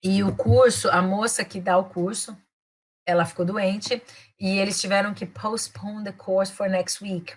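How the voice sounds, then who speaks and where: A woman's voice: medium pitch, fairly even intonation, unhurried. A woman with a Brazilian Portuguese accent, giving a casual English lesson as a teacher and career coach, chatting easily and slipping into English phrases with frequent tag questions.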